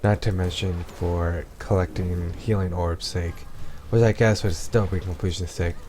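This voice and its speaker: A man with a low voice talks through his gameplay in a loose, rambling way, often restarting his sentences. His voice is going hoarse, and faint noise sits under the recording. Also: steady tone, measured pace, a little mellow. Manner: rambling, frequent ums and restarts. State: losing his voice. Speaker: gameplay commentator. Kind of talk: casual let's-play commentary.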